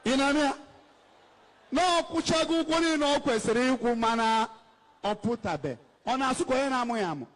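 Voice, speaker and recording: High-voiced Nigerian preacher in an echoing hall. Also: male voice, animated, quick pace, a bit bright. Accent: Nigerian English. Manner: scolding, emphatic, repeats phrases. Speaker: evangelist. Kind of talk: preaching to a congregation, switching between English and Igbo. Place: church hall with an altar. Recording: long hall reverb.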